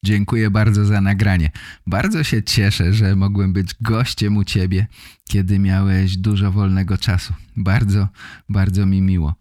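A man hosting a language-learning podcast, speaking in simple, measured, appreciative sentences. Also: deep voice, flat delivery, a little mellow, no room sound, clean studio sound. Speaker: podcast host for learners of Polish. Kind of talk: slow, simple scripted talk for language learners.

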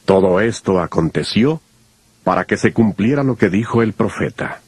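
A man narrating dramatized scripture in a measured, expressive way. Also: on the low side, husky, dry recording.

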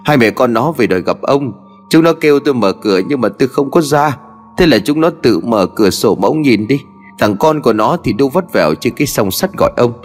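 A man's voice: lively intonation, a little fast, natural voice. A man voicing a frightened older village wife who speaks in a raised, anxious and urgent way, in a horror story with long reverb and faint music. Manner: higher, anxious, stammering, urgent.

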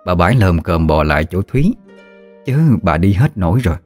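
Deep-voiced man telling a ghost story. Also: moderate pace, soft background music. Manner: steady, somber storytelling.

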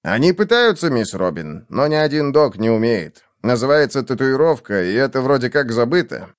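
A man's voice: mid-range voice, big pitch swings, moderate pace, clear, resonant tone, close to an everyday voice. A man voicing a plain-spoken, folksy sergeant with a rustic, chatty manner.

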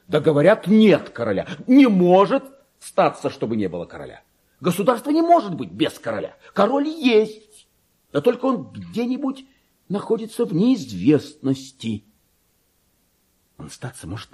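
An actor playing a deluded, pompous petty government clerk slipping into madness, in a theatrical radio monologue that moves between hushed musing and shrill indignation. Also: male voice, full character voice. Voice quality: husky, creaky. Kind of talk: theatrical radio monologue, diary read aloud.

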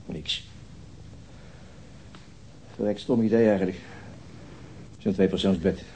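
Weary cynical detective, noisy recording. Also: male voice, low-pitched, slow, darkish tone. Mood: tired, irritable. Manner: gloomy, dry, sarcastic. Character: weary, cynical male police detective, married, curtly sarcastic. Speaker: actor. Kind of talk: naturalistic radio drama acting. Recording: noisy old radio drama recording.

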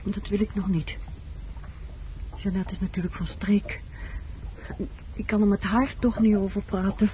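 A woman's voice: mid-range voice, steady tone, unhurried, pauses often, dark tone, natural voice. A muffled old radio play recording with some background noise carries an actress as a haunted woman. She is insistent and pleading, brooding over the night with dramatic intensity. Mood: restless, pleading. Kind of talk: Dutch radio play acting.

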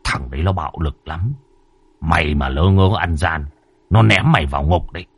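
Brief: blunt old ghost-hunter master, voiced by a man, deep and husky. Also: normal speed, heavily acted. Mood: gruff. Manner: gruff, blunt. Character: gruff old ghost-catching master, teasing.

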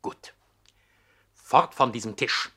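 A man's voice: mid-range voice, slow pace, bright, forceful tone, slightly rough, full character voice. An actor playing a stern, imperious baron and father in a radio play, speaking in strict, clipped commands. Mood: stern anger. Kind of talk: 1960s German radio play acting.

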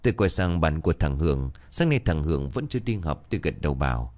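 A man's voice: rumbling low, very animated, fast, a little mellow. A man reading a horror story aloud in a dramatic, suspenseful way. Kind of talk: scripted horror story narration.

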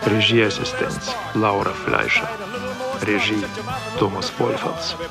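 A man reading scripted radio drama credits as an announcer, formal and measured. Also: lowish voice, level tone. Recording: music behind the voice. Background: music.

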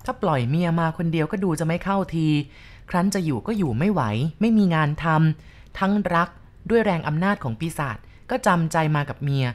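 A woman's voice: on the low side, expressive, a little fast, lightly acted. A woman reading the part of a stern older man who insistently lectures a younger man about a ghost. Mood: lecturing. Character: stern older male landlord explaining ghost lore.

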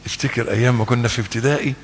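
A man preaching a sermon with an Egyptian accent, acting out back-and-forth dialogues with his listeners in an animated way. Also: mid-range voice, very fast, slightly rough, long reverb tail. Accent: Egyptian Arabic.

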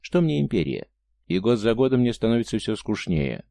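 A man reading the part of an immortal young princess, bored, cruel and teasing, with a soft murmuring delivery. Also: fairly low pitch, very animated, brisk, vocal fry, no room sound. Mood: weary.

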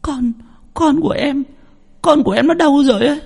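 Shrill, panicked village wife played by a male narrator, high and shouting. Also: gravelly. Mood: sobbing. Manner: shrieking, wailing, drawn-out cries.

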